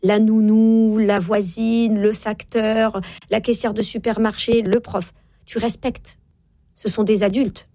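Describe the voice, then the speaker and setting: A woman's voice: mid-range voice, little pitch movement, warm tone, no echo. A woman in her forties, an author on parenting, talking in an interview, emphatic and full of fillers. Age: 40s. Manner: fast, emphatic, many fillers and repeated agreements. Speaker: author and child psychologist, guest. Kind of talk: interview conversation.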